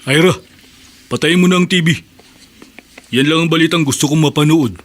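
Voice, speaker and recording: An actor playing a Muslim street vendor who coaxes buyers and turns to harsh threats in a radio drama. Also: male voice, fairly high pitch, normal speed, natural voice. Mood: gruff. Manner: coaxing sales patter, then harsh threats. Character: Muslim street vendor turned fierce militant man.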